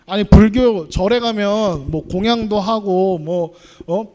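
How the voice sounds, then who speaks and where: Young male youth preacher, high voice, chatty sermon style full of questions to the room. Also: slow pace, a little mellow. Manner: conversational, asks the audience questions.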